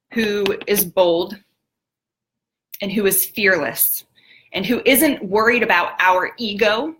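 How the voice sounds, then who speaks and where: A woman giving a motivational talk, telling a story in an animated way and speaking earnestly to the audience. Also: medium pitch, low-quality recording. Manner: animated storyteller who acts out quotes; earnest, direct appeals to the audience.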